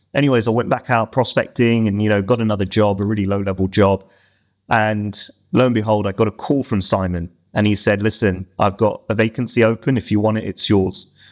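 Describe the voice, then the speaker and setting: In a very clean recording with a silent background, a man with an unremarkable speaking voice talks at a fairly low pitch and a fairly quick pace, with fairly even intonation and very even loudness. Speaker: sales executive. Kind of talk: interview conversation.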